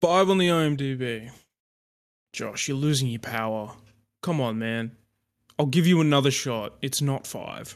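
Pausing long and often, a man with an Australian accent talks at medium pitch with ordinary pitch variation. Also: moderate pace. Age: 20s. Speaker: podcast co-host. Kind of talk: casual chat.

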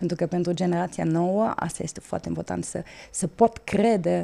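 A woman talks with a German accent. Her pitch is fairly low and her tone dark and mellow. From Germany. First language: German (speaking Romanian). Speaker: corporate CSR manager. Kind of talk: podcast interview. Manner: hesitant, many fillers.

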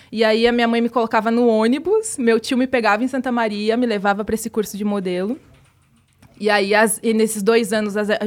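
A woman speaks fairly quickly in a fairly high voice, her intonation flat and monotone. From southern Brazil, Rio Grande do Sul countryside. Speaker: esports reporter and presenter. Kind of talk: casual chat.

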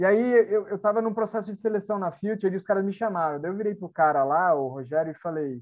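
A man with a normal speaking voice, talking at a fairly quick pace with lively intonation. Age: 40s. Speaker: creative director, brand designer. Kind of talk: casual interview. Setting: video call.

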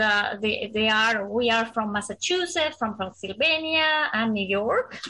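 A woman with a Spanish accent speaks at fairly high pitch in a bright, sharp tone with lively intonation. She has hardly any pauses and very even loudness. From Argentina. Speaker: abstract artist and curator. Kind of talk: interview. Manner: halting.

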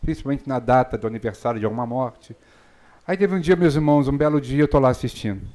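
Speaking very fast, a man uses a dark, mellow tone at a fairly high pitch with ordinary pitch variation. The recording is very clean, with a silent background. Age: 50s. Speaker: guest preacher. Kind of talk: sermon. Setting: church.

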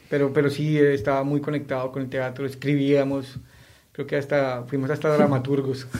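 Audible room echo surrounds a man speaking at a moderate pace. His pitch is fairly high and his intonation monotone and flat. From Colombia, Bogotá. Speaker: photographer. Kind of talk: casual chat. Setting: studio.

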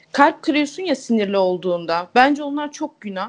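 This woman's pitch is high, with very wide pitch swings. She moves at a moderate pace. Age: 20s. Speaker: student, listener guest. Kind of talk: casual chat.

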